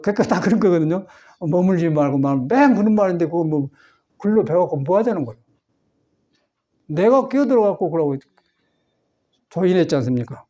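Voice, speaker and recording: A man's voice: high voice, warm tone, muffled recording. A man, a Buddhist monk, giving a folksy Sunday dharma talk in a temple hall, chatty and meandering with frequent chuckles. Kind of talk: folksy sermon.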